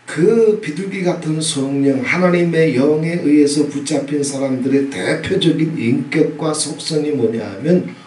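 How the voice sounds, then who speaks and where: A man's voice: fairly high pitch, moderate pace. Middle-aged male pastor, emphatic sermon with audience prompts, echoey church recorded from a distance. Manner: emphatic preaching with repeated "예?" prompts and sudden loud bursts. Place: church sanctuary. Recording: echoey hall, from a distance, faint noise.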